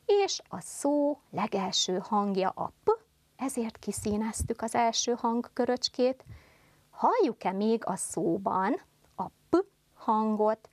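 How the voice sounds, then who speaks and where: A woman teacher giving a televised first-grade lesson, speaking slowly and carefully articulating to small children. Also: fairly high pitch, lively intonation, no room sound. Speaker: primary school teacher.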